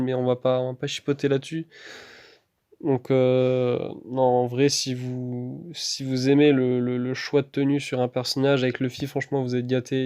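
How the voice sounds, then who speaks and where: A man talking through a gameplay video in a relaxed, chatty way. His voice is smooth and clear, and his pitch stays fairly level. He keeps pausing on fillers and restarting his sentences. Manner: hesitant, full of fillers and restarts. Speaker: gaming YouTuber. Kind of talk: casual gameplay voice-over commentary.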